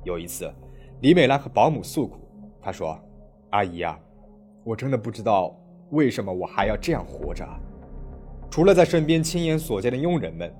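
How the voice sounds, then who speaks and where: A man tells a true-crime story from a script in a voice of middle pitch. He narrates dramatically, with a lively, swinging delivery that climbs on key moments. Soft music plays faintly behind him. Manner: dramatic storytelling with rising emphasis.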